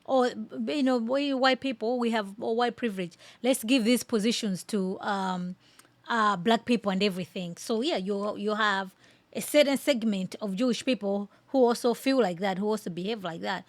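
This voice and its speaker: A woman's voice: mid-range voice, moderate pace, no room sound. A woman from Malawi hosting a casual reaction commentary, speaking emphatically and repeating phrases to drive her points home. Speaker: podcast host giving commentary.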